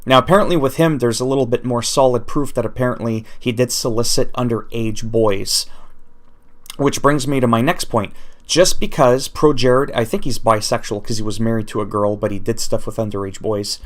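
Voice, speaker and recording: A man's voice: mid-range voice, normal speed. A man whose first language is French, ranting off the cuff in an unscripted vlog commentary and thinking aloud as he goes. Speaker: YouTuber.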